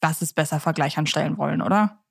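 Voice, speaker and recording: A woman's voice: sits low, fast, creaky, husky, no room sound, studio quality. A woman co-hosting a casual podcast discussion, speaking in a reflective, opinionated way. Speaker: podcast co-host.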